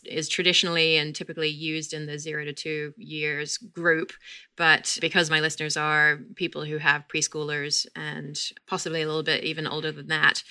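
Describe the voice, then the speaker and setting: Podcast host, female, low-pitched with a bright tone, chatty explainer. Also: smooth. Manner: explanatory, laughs lightly while talking. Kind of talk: conversational interview.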